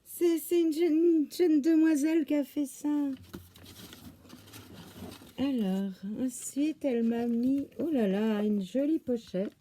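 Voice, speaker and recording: A woman hosting a craft channel, gushing with oohs and exclamations as she slowly unpacks crafts in casual chat. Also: high-pitched, warm tone. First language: French. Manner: slow, thinking aloud as she unpacks.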